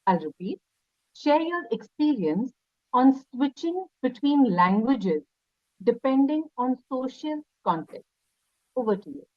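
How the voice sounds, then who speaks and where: A woman's voice: high voice, sing-song, unhurried, dry recording, lo-fi sound. A woman politely hosts a speaking club session, introducing each speaker and topic. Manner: polite, formal, announcing. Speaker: session host calling on speakers. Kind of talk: hosting an online speaking club.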